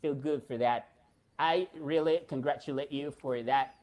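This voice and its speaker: A young man from Peru hosts a live stream in English, which is not his first language. His Peruvian Spanish accent is audible, and he keeps a loose, chatty rhythm with plenty of fillers. His voice sits at an ordinary middle pitch for a man. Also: moderate pace. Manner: relaxed, chatty, frequent fillers and laughs. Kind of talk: casual live-stream chat.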